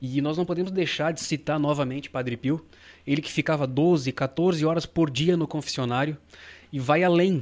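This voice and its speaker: Over a quiet background, an ordinary speaking voice with ordinary pitch variation proceeds at a moderate pace. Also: man. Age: 30s. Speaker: bank worker and church musician. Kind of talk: religious talk show. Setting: studio.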